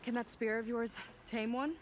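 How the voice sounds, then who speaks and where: A woman playing a troubled, candid young tribal warrior in a game cutscene, speaking earnestly and haltingly. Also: on the high side, steady tone, a little hiss or hum, close to an everyday voice. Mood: practical, resolved. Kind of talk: video game cutscene acting. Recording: clear ambient game sound behind voice.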